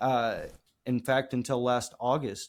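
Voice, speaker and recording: At a moderate pace, a man speaks in a normal speaking voice at a medium pitch. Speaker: gospel rapper. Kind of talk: interview answer.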